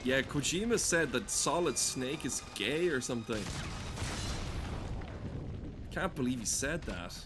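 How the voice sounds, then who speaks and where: A man's voice: medium pitch, expressive, a little slow, pauses often. A man giving casual, sweary, joking gameplay commentary, often muttering to himself as he plays. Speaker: gaming video commentator. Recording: noisy background of game sounds. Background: video game ambience.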